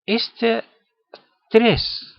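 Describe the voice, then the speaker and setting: A man's voice: very high voice, fairly even intonation, creaky, dry recording, dull audio. A man teaching a lesson, explaining patiently and often checking in with his students. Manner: slow, patient, checks in with "¿cierto?" and "¿ya?". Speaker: English teacher.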